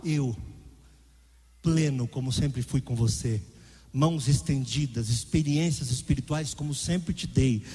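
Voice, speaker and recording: A man's voice: on the high side, warm tone, husky, in a large hall. A male pastor preaching a sermon with vehement, emphatic delivery.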